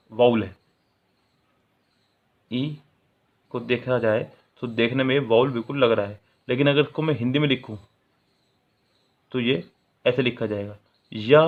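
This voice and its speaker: A man explaining English grammar in Hindi as a teacher, reading example sentences aloud and asking questions that he then answers himself. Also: medium pitch. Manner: asks the viewer questions and answers them himself. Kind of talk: classroom-style video lesson. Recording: tinny, phone-like sound.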